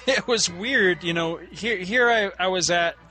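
A man's voice: high-pitched, slow, sharp tone, faint music behind. A man co-hosting a podcast, telling anecdotes in a casual, rambling conversational way. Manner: rambling, full of "you know". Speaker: podcast co-host.

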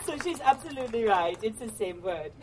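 A woman's voice: on the high side, animated, fairly quick, recorded from a distance, a little hiss or hum, close to an everyday voice, poor audio. An actress playing a cheerful German Christmas market lady, with a German accent, bubbly and quizzing a live crowd. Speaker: costumed holiday show performer. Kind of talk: live audience interaction.

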